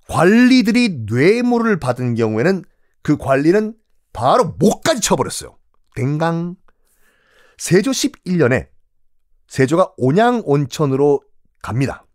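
A man's voice: on the high side, a little mellow, no room sound, studio quality. A man telling history in a playful, joking way, acting out little scenes as he goes. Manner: playful, jokey, acts out scenes. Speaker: history storyteller. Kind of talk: lively history lecture.

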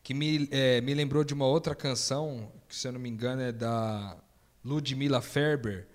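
A Brazilian man with a mid-range voice speaks thoughtfully in a casual faith discussion. He builds his points slowly and quotes song lyrics. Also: mid-range voice, steady tone. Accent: Brazilian Portuguese. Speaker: panelist.

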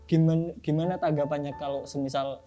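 A man's voice: a little high, level tone, brisk, dark tone, faint music behind. A young man as a podcast guest, talking casually in a shy, rambling, self-deprecating way and laughing often. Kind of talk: casual interview chat.

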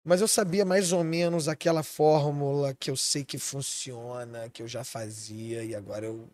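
A man's voice: medium pitch, fairly even intonation, normal speed, a little mellow, dry recording. A man from Switzerland, a chef and restaurant owner, talking animatedly in a casual podcast chat and swearing freely.

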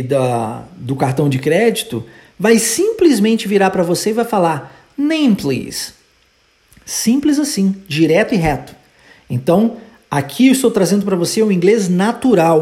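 An English teacher with a Brazilian Portuguese accent, patiently explaining pronunciation and drilling short phrases slowly and repeatedly in a language lesson podcast. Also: medium pitch, warm tone.

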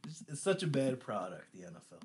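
A man's voice: medium pitch, big pitch swings, quick pace, slight background noise. A man with a mid-range voice co-hosting a casual podcast. He teases the others and pushes contrarian takes. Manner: teasing, contrarian. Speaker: podcast co-host. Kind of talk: casual chat.

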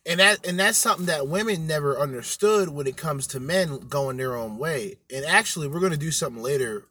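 A man's voice: a little high, animated, brisk, sharp tone, slightly rough, no echo. A man co-hosting a podcast, ranting bluntly with heavy swearing. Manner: profane, blunt, emphatic. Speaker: podcast co-host. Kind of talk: crude ranting commentary.

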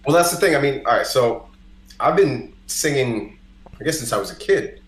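A man's voice: medium pitch, animated, normal speed. A man from Costa Rica, a native Spanish speaker, chatting casually and telling personal stories as a podcast guest, with lots of "like" and "you know". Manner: conversational, peppered with "like" and "you know". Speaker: podcast guest, singer-songwriter. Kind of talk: casual chat, personal storytelling. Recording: roomy, echoey indoor sound.

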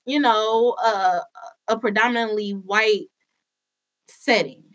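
A woman's voice: medium pitch, fairly even intonation, slow pace, a bit bright. A woman with an African American accent in a casual, candid chat, speaking informally and swearing freely.

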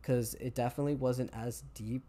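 A young man, talking casually as an interview guest and rambling with many fillers; his voice jumps higher when he gets excited. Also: a little fast. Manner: rambling, heavy use of "like". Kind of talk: casual conversation.

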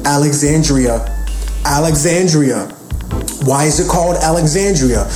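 A man's voice: a little high, dark tone. Preachy man in his thirties, echoey room. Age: 30s. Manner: preachy, repetitive, rhetorical questions. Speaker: podcast host. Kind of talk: casual monologue.

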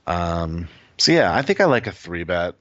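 A man with a fairly low voice talks through a poker hand as a guest. He thinks out loud, hedging often with "like" and "I think." The audio is dry and a little dull. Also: big pitch swings, moderate pace, dry recording. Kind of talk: casual strategy analysis.

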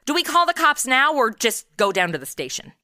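Woman playing bright, sassy young American detective. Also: high-pitched, big pitch swings, fairly quick, no room sound, clean studio sound, exaggerated voice. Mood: smug. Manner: sassy, slangy, theatrical. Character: brash modern twenty-something girl turned amateur radio detective. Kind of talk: comedy audio drama acting.

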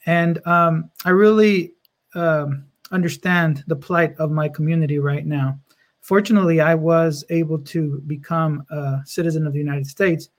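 A man's voice: a little high, steady tone, moderate pace. A man from Mexico, an educator, speaking as a guest in a casual interview, assured and pointed.

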